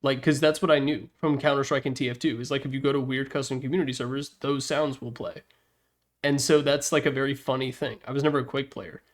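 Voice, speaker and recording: A man's voice: medium pitch, level tone, quick pace. A young man giving casual, opinionated commentary on video games in an informal, slangy, joking way.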